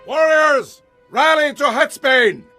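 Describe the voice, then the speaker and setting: A man playing a proud, solemn alien tribal leader in a video game, speaking in a measured, formal way. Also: very high voice, bright, forceful tone, soft background music, heavily acted. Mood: rallying.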